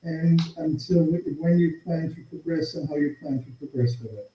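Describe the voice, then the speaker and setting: A man's voice: on the high side, normal speed. A man moderating an earnings call as an analyst, putting questions in a conversational way. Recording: muffled echoey call, faint noise, clicks.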